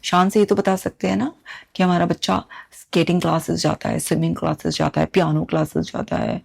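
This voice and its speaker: A woman hosting an advice talk, speaking earnestly to viewers with lively emphasis. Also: on the low side, brisk, creaky, slightly rough. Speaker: talk show host.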